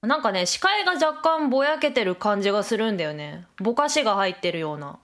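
Lively woman narrating her own gameplay. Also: mid-range voice, fast. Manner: chatty self-talk, frequent laughter and surprised exclamations. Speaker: game streamer. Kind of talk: Let's Play commentary.

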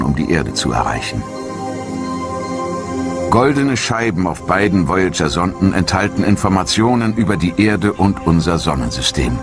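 A man giving calm, measured, scripted narration for a science documentary. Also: sits low. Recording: studio narration over loud music.

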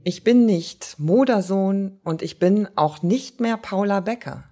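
A woman giving a lively, wry reading of old letters and diary entries. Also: medium pitch, a little slow, soft background music. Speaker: reader.

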